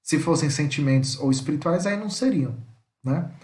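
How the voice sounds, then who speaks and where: A male teacher giving an online language lesson, explaining patiently and checking in after each point, sometimes sounding out words slowly. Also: on the high side, animated, darkish tone, echoey room.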